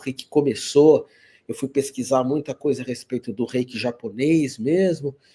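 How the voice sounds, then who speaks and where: The recording is very clean, with a silent background. A man with a dark, mellow tone speaks with ordinary pitch variation. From São Paulo, Brazil. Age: 60s. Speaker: holistic therapist and teacher. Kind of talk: interview. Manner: halting.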